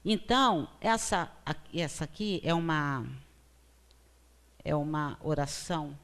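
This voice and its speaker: A woman's voice: low-pitched, animated, a little slow, a bit bright. A woman with a Brazilian accent giving a conversational spiritual talk as a lecturer at a spiritist center, earnest and often checking in with her listeners. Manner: earnest, often tags 'né?' to engage listeners.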